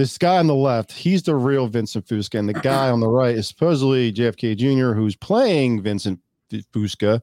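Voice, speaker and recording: With a dark, mellow tone, a man talks at a medium pitch and moderate pace with ordinary pitch variation, the sound dry and close with no echo. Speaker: podcast host. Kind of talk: casual banter podcast. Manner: joking, irreverent.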